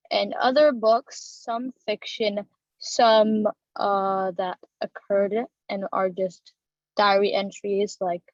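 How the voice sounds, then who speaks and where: A teenage girl, a student on a panel, answering in a thoughtful, measured way. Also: medium pitch, dry recording, dull audio.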